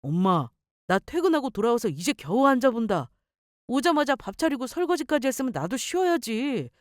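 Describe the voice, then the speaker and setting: A woman's voice: fairly high pitch, very animated, normal speed, no echo, clean studio sound. A woman voicing an irritated grown son who whines and complains. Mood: whiny. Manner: whining, exasperated complaints.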